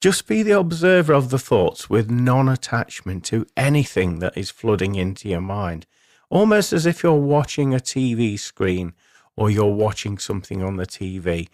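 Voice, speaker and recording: A man hosting a spiritual self-help radio show, talking in a measured, explanatory way with deliberate pauses. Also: lowish voice, very animated, darkish tone, dry recording, clean studio sound.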